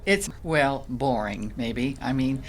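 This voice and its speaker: An actress playing a kindly, patient Catholic sister in an audio drama, explaining things gently. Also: female voice, rumbling low, takes it slowly, a little hiss or hum.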